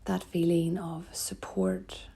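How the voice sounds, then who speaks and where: A woman yoga teacher leading a guided relaxation meditation in a soft, breathy, soothing manner with gentle pauses. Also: lowish voice, very animated.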